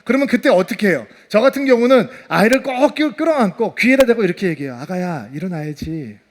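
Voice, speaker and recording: A middle-aged male pastor preaching a sermon, swinging from loud emphasis to soft, hushed tones. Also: very high-pitched, sing-song, fast.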